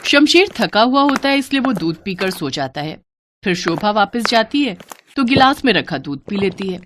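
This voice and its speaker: A woman narrating a scripted moral story in an expressive storytelling style. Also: medium pitch, moderate pace, background noise.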